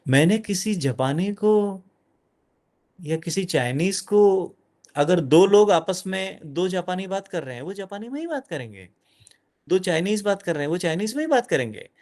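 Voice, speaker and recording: Animated man lecturing. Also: high voice, moderate pace. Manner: animated, questioning, mixes in English phrases. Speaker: guest speaker. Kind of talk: lecture to an audience.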